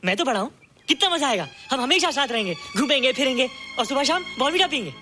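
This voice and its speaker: A man's voice: extremely high pitch, sing-song, quick pace, over music. A childlike, eager young man. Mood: playful. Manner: boyish, simple, pleading. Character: grown man with a childlike mind, eager and innocent. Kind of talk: film dialogue.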